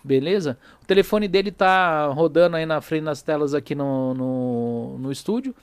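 Chatty high-voiced podcast host. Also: male voice, normal speed, smooth, no echo. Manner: chatty, jokey, fills with "né?" and "tá entendendo?". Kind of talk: casual podcast chat with sponsor reads. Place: small studio.

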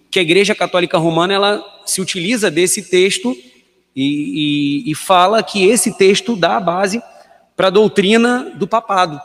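A Brazilian man explaining a Bible passage in a measured teaching tone. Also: a little high, in a large hall. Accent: Brazilian Portuguese. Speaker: Bible study panelist.

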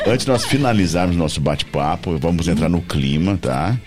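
A man's voice: deep voice, expressive, moderate pace, over loud music. A Brazilian man hosting a casual chat show, joking and teasing his co-hosts and guest. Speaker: host.

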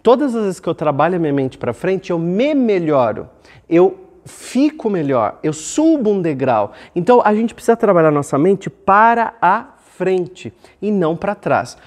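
A man's voice: high-pitched, very animated, normal speed, a little mellow. A man with a Brazilian Portuguese accent, hosting his own self-help video and giving an emphatic motivational talk to camera, repeating key phrases and shifting his pace. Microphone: camera microphone.

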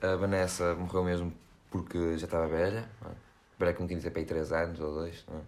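Deep-voiced young Portuguese man rambling. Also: level tone, quick pace, darkish tone. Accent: European Portuguese. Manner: slangy, rambling storytelling with fillers. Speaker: podcast co-host. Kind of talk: casual chat.

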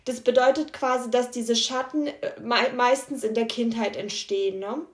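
Attentive woman host, high echoey voice. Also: fairly even intonation, moderate pace. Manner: friendly, attentive, frequent backchannels. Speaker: podcast host. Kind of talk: podcast interview. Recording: roomy, echoey sound.

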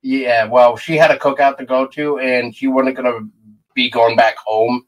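Male interview host, casual and hesitant, average pitch, fillers throughout. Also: flat delivery, moderate pace, poor audio. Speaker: podcast host.

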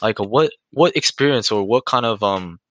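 Very deep-voiced young man. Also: animated, moderate pace, fairly bright tone. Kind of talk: casual chat.

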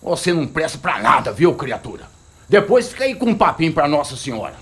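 Husky cranky gunslinger, rural northern minas accent, swears a lot, very lively voice, radio play. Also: male voice, fairly high pitch, a little fast, heavily acted. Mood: grumbling. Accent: rural northern Minas Gerais Brazilian. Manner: grumbling, colloquial, cursing. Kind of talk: radio drama acting.

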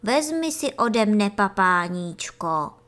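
A woman voicing doting female worker bees in a children's storybook, speaking in high, cooing, sing-song baby talk. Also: sing-song, fairly bright tone.

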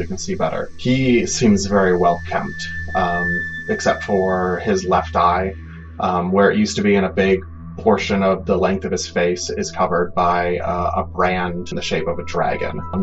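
Male game master, very low pitch, improvised conversational narration, slightly dull recording with music clearly underneath. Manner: conversational, halting scene-setting.

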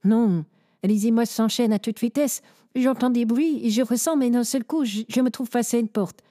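An actress playing a gentle, troubled young psychic in an audio drama, speaking softly and hesitantly. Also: female voice, a little high, normal speed, no echo, clean studio sound, close to an everyday voice. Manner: soft and hesitant.

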